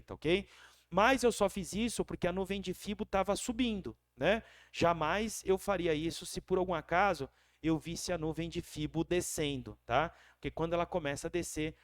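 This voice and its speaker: A man's voice: a little high, no room sound, clean studio sound. A man with a Brazilian Portuguese accent casually walking viewers through a trading chart, checking in with them often and correcting himself as he goes. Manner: chatty, keeps checking in with the viewer, frequent self-corrections. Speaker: crypto trading analyst. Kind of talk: casual screen-share trading walkthrough.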